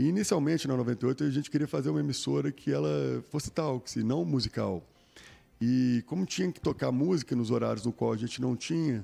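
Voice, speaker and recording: A dark, mellow tone with very wide pitch swings at a fairly quick pace. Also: man, medium pitch for a man. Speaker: radio network executive. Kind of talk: radio interview.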